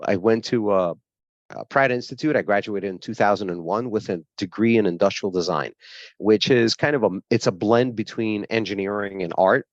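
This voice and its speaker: A man's voice: lowish voice, normal speed, dry recording, muffled recording. A man in his forties with a Brooklyn accent, telling his life story as an interview guest, with many fillers and laughs. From grew up in Brooklyn, New York. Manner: frequent fillers, laughs while telling stories.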